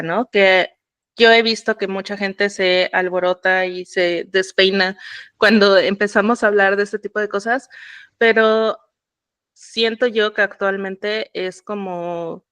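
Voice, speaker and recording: A woman hosts a podcast conversation, asking her guest questions in a friendly, chatty tone. Her voice sits at a middle pitch and sounds smooth, recorded close with a dry, roomless sound. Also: fairly bright tone, no echo. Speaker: podcast host.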